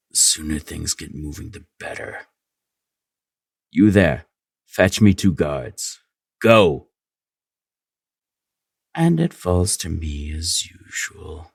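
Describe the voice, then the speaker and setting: A man playing a scheming, manipulative royal advisor in a fantasy audio drama, with a sly, flattering, insinuating drawn-out delivery. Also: very deep voice, vocal fry, slightly rough, no echo, clean studio sound, full character voice. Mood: contemptuous.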